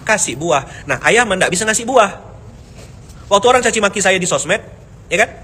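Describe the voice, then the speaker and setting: Lively, bright-voiced Indonesian preacher man. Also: high voice, moderate pace, slight background noise. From Pontianak, Indonesia. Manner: animated, swings between loud emphasis and soft asides, chants Quranic verses. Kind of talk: lively mosque sermon with jokes and audience banter.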